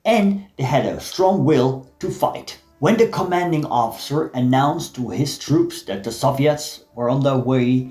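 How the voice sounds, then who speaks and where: A man narrating a history documentary from a script in measured, storytelling delivery. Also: mid-range voice, darkish tone, roomy sound, soft background music. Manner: measured storytelling, dramatic reading of quotes.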